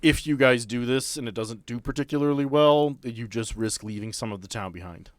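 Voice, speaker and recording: A man's voice: mid-range voice, brisk, no room sound. Man running a tabletop game, dry close sound. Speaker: game master. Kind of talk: improvised narration of a tabletop game.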